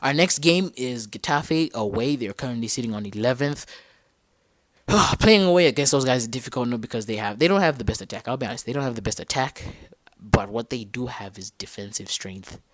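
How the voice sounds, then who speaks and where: Animated Zambian-raised man, dry sound. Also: medium pitch, brisk, dry recording. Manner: animated, slangy, thinks aloud and corrects himself mid-sentence. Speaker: podcast host. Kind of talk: casual solo football talk.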